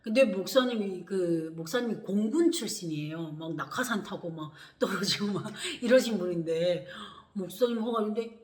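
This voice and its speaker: A woman from Korea, telling her personal story in a lively way, acting out what others said. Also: mid-range voice, moderate pace. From North Korea. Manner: animated, acts out quoted voices with gasps and laughs. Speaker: vlogger. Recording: echoey room.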